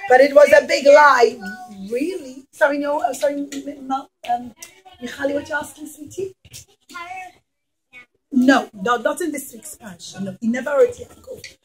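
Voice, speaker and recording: A woman's voice: high voice, normal speed, poor audio. A middle-aged woman teacher telling a story to young children in simple, emphatic, repetitive phrases. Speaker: preschool teacher. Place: indoors in a classroom.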